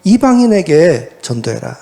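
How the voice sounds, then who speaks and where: A male pastor delivers a sermon at a church service, his voice sitting high for a man. He talks in a lively, everyday way and keeps asking the congregation rhetorical questions. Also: moderate pace, creaky.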